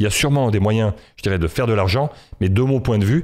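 Against a quiet background, a man speaks at a fairly low pitch with lively intonation. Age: 50s. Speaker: entrepreneur, company founder; guest. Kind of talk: interview conversation. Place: studio. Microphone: studio mic.

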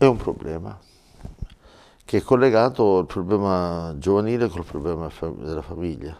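A man talks in a very deep, low voice with a dark, mellow tone and lively intonation, at a moderate pace. His loudness swings widely, and he leaves long, frequent pauses. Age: 70s. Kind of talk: interview. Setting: bishop's residence. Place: office. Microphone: lapel.

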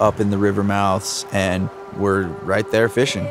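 A man talks at a moderate pace in a fairly low voice. The sound is dry with no echo, though noticeable background noise comes through. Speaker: fishing guide host. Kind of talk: interview answer. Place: waterside.

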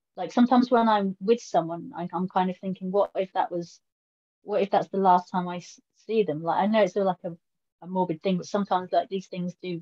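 Here a woman speaks at a fairly quick pace with fairly even intonation. The background is quiet. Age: 40s. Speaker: artist and personality-typing enthusiast; interview guest. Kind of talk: casual conversational interview. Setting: video call. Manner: hesitant, many fillers and repetitions. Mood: reflective. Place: home room. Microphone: video call.

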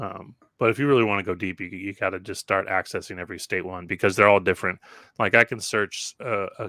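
With a bright, sharp tone and a very deep, low pitch, a man talks at a fairly quick pace in a dry sound with no echo over a quiet background. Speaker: researcher of old newspaper archives. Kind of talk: casual panel discussion. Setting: video call. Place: home room.

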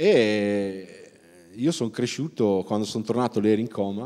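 A man's fairly low, dark, mellow voice holds fairly even intonation against a quiet background. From Romagna, Italy; Italy. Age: 30s. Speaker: novelist. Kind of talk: public talk. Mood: relaxed, storytelling, smiling. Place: hall. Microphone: handheld.

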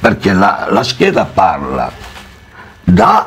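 A man speaks very slowly while light background noise plays behind him. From Calabria, Reggio Calabria area; Calabria. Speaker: guest. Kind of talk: TV interview; TV talk show discussion. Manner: halting, repeats words. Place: studio. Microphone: lapel.

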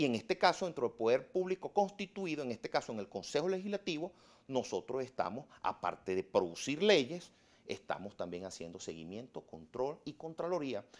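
This man's voice sits fairly high and carries vocal fry, swinging very widely in pitch at a moderate pace. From Venezuela, Guárico; Venezuela. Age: 30s. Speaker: regional legislator, opposition politician; opposition politician. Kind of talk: TV interview. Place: studio. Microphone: lapel.

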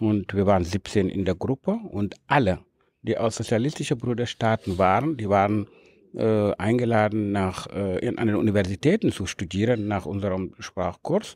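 At a moderate pace, a man talks with fairly low pitch and ordinary pitch variation in a dry sound with no echo. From Senegal. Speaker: member of parliament; politician interviewee. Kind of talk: interview. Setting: office in parliament building. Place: hall. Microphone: handheld.

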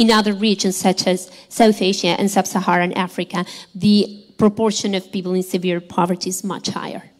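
A woman with a Spanish accent, fairly quick and nearly pause-free, flat and monotone against a quiet background. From Argentina. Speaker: economist; conference presenter. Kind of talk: conference talk. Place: hall. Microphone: podium.

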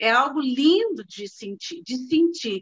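High pitch from a woman, set against a quiet background. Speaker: course participant giving testimonial. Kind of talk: testimonial in an online class. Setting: video call. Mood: grateful, warm, emotional. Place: home room. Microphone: video call.

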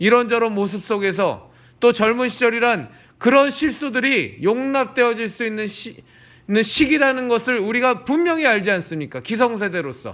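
On a very clean recording with a silent background, a man with an extremely high pitch and a bright, sharp tone speaks at a moderate pace with ordinary pitch variation. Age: 50s. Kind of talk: appeal to viewers. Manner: impassioned.

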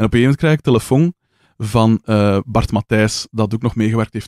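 With a Flemish accent, a man speaks at a fairly quick pace in a fairly low pitch and a dark, mellow tone, the sound dry with no echo over a quiet background. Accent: Flemish Dutch. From Flanders, Belgium. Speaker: journalist and writer; journalist. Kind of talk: casual interview chat. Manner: halting. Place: studio. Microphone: studio mic.

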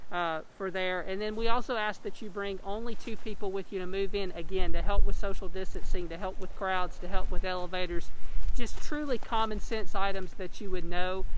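Loud and at a fairly quick pace, a man with a high pitch speaks with fairly even intonation and hardly any pauses, the sound dry with no echo and light background noise. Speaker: university housing staff. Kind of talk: live stream Q&A. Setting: outdoors, windy, wearing face mask. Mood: friendly, upbeat. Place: street. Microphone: phone near.

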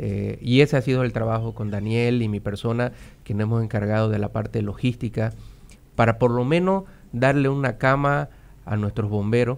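At a moderate pace, a man with a medium pitch speaks with ordinary pitch variation. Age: 40s. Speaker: volunteer firefighter leader. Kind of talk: radio interview. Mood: earnest, serious. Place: studio. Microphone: studio mic.

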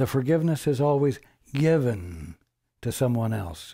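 Against a quiet background with a dry sound and no echo, a man speaks at a fairly slow pace and sounds somewhat breathy. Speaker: study group teacher. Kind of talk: spiritual teaching talk.

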